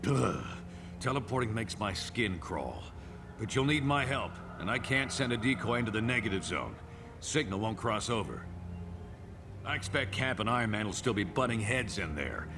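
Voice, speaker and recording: An actor playing a determined, grumbling hero with terse, urgent delivery in a video game cutscene. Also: male voice, lowish voice, big pitch swings, normal speed, noisy background. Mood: determined, uneasy. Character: determined, grumbling male hero urging action.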